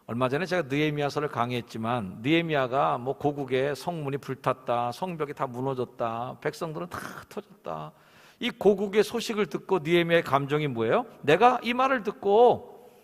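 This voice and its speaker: A man preaching a Sunday sermon as senior pastor, in an expressive preaching manner. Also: medium pitch. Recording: long church hall reverb.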